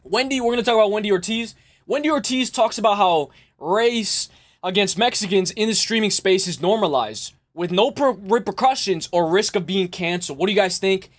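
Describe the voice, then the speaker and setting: A man hosting a live stream, chatting loosely with his viewers and rambling through quick asides. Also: high-pitched. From Spain. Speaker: livestream host. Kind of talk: casual live stream chat.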